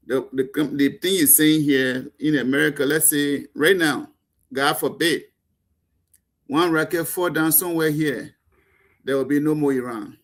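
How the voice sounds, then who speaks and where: A man with a Liberian accent, speaking as a panel guest in a heated political talk show, impassioned and emphatic with stumbling restarts. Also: mid-range voice.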